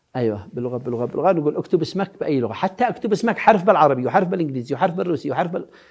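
Over a quiet background, a man with a fairly high voice for a man speaks at a very fast pace with hardly any pauses and very wide pitch swings. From Yemen. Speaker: engineer and inventor; interview guest. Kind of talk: interview. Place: home room. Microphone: lapel.

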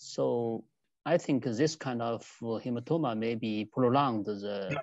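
A man's very slow speech with ordinary pitch variation, dry sound with no echo and a quiet background. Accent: Chinese. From China. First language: Chinese. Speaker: neurosurgeon; webinar lecturer answering questions. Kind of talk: panel discussion; interview answer. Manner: halting. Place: home room. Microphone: earbuds.

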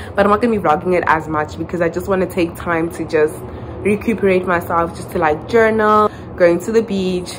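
A woman's fairly quick, fairly evenly intoned speech against noticeable background noise. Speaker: travel vlogger. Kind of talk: casual vlog chat. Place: home room. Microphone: phone near.

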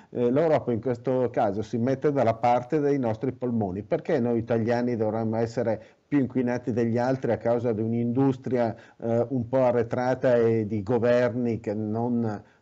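A dark, mellow tone with monotone, flat intonation over a quiet background. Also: man. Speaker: environmental association mobility manager. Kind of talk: interview. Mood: earnest, mildly argumentative. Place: home room. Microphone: video call.

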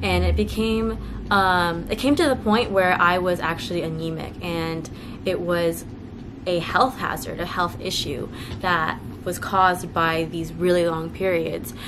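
A woman talks at a fairly slow pace. Background noise is noticeable throughout. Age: 20s. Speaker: lifestyle youtuber. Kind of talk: casual sit-down chat to camera. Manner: chatty, frequent fillers. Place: home room. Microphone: camera far.

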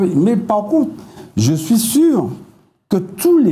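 Light background noise sits behind a man whose somewhat breathy, dark, mellow tone moves through very wide pitch swings. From Martinique. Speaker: activist spokesperson. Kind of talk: political interview. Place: studio. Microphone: lapel.

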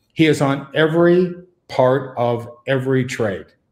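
Medium pitch from a man, with ordinary pitch variation and audible room echo. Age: 60s. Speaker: veteran stock trader. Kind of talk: interview. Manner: animated. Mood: indignant, emphatic. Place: home room. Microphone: video call.

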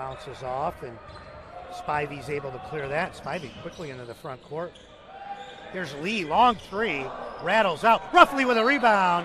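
With long, frequent pauses, a man speaks in a high pitch with very wide pitch swings and big swings in loudness, in a dry sound with no echo and noticeable background noise. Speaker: basketball play-by-play announcer. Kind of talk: rapid-fire college basketball play-by-play commentary. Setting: courtside in a gymnasium. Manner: bursts of excitement on made shots. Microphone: headset.

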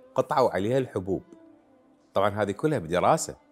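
A man's voice over faint background music. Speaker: TV program host. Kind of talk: storytelling narration to camera. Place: studio. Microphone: lapel.

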